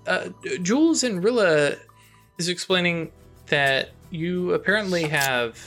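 A man's voice: high-pitched, animated, unhurried, a bit bright, soft background music, pitched above the performer's own voice, heavily acted. A man voicing a cautious, polite male society official who apologizes before asking a blunt question. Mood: apologetic. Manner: hesitant, overly apologetic.

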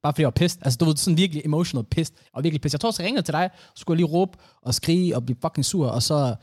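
A man's voice: on the high side, a little mellow, dry recording. Joking young man, dry close sound. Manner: jokey, laughs often, trails off with fillers. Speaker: podcast co-host. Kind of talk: casual chat.

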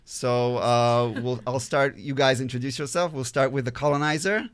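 A man hosting a panel podcast, talking in an upbeat, halting way with fillers and restarts. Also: mid-range voice. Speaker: podcast host.

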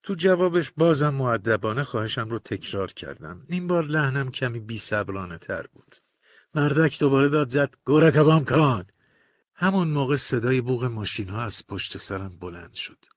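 A man narrating a first-person audiobook in a measured, confessional, colloquial manner, recorded close to a studio mic. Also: medium pitch, animated, dry recording.

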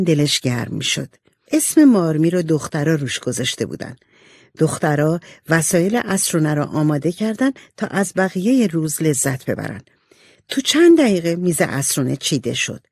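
A woman narrating an audiobook in an expressive storytelling manner. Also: low voice, breathy edge, no echo, studio quality.

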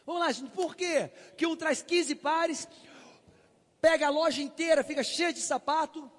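Sales trainer, man, very high pitch, animated storyteller working the crowd, long hall reverb. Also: a little slow. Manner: animated storytelling, acts out dialogue, prompts audience. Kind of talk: live sales seminar talk.

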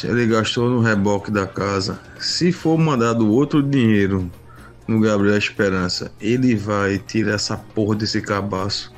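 A man sending a blunt, cursing voice message to the show. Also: fairly low pitch.

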